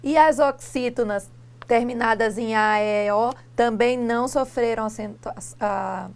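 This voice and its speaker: Higher-voiced woman teacher explaining grammar. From Brazil. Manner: asks rhetorical questions, spells out example words slowly. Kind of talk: classroom lesson dialogue.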